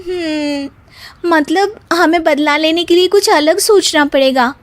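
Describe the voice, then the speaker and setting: A woman's voice: very high-pitched, unhurried. A woman voicing a whiny young daughter-in-law in a cartoon story, complaining as she talks.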